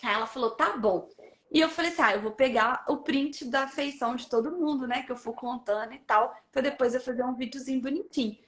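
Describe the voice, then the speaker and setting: A woman, telling a personal testimony in a lively way and acting out the people in it. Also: high voice, a little fast. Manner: acts out quoted people, laughs often. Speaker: guest sharing a testimony. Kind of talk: animated storytelling.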